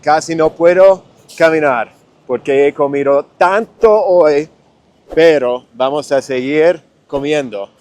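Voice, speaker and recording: A man's voice: a little high, slow pace, a little mellow. A man hosting a food vlog in a restaurant, chatting casually and stopping often to search for his words. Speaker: vlog host tasting food.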